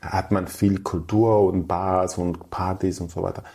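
A man's voice: low voice, level tone, measured pace, gravelly, warm tone. A young man from Syria, chatting as an interview guest in fluent but German, with many restarts. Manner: fluent but non-native, restarts, acts out quoted people. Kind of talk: casual interview chat.

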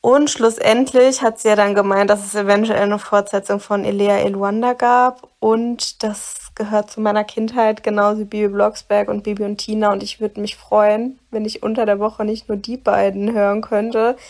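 A twenty-five-year-old woman leaves a listener message. Her voice is medium in pitch with a lot of vocal fry. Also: flat delivery, moderate pace, hardly any pauses, darkish tone. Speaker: podcast listener, fan. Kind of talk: spoken fan voice message.

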